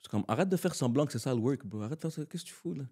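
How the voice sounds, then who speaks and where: Speaking very fast with a breathy edge, a man who works as a comedian and actor tells stories as a guest on a podcast. His medium-pitched voice is animated and slangy, and he mixes in English during the casual conversation.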